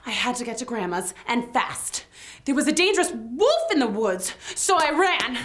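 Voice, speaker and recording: High, animated woman telling children's stories. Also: moderate pace. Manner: theatrical, exclamatory, playful. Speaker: children's storyteller host. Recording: music bed behind the voice.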